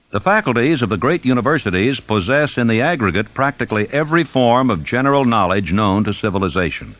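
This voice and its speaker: A man reading a self-help audiobook in a measured, instructive and emphatic manner. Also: mid-range voice, a bit bright, no echo. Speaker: audiobook narrator.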